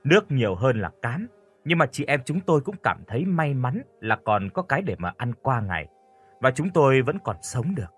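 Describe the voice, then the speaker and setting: Man reading a horror audiobook, husky tone, lively pitch, faint music behind. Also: moderate pace. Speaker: audio story narrator. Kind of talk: scripted first-person horror narration.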